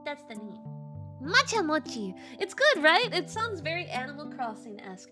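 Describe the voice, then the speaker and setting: A woman streamer chatting casually with her audience. She is excitable and swings between loud squeals and soft mumbles. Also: high voice, moderate pace, over music. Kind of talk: casual live-stream chat.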